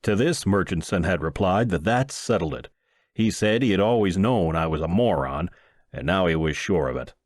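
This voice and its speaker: A man narrating a humorous short story from a script in an expressive storytelling manner. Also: low-pitched, moderate pace, no echo, studio quality. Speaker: audiobook narrator and reader.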